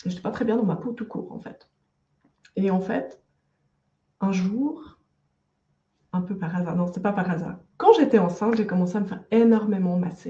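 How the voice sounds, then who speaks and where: A woman speaks with a Swiss accent. Her pitch is medium, with ordinary variation. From Switzerland. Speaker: energy therapist. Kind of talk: webinar talk. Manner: soft-spoken.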